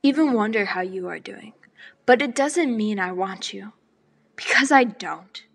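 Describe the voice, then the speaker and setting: A teenage girl slowly reciting a spoken word poem, often half-whispered. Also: medium pitch, animated, vocal fry. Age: teens. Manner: slow and deliberate, partly whispered.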